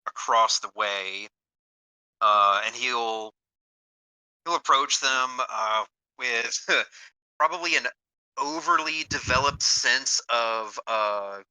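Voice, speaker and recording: Bright-voiced man, halting player. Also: medium pitch, clear, resonant tone, no echo, rough recording. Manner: halting, thinks aloud. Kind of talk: describing his character's actions.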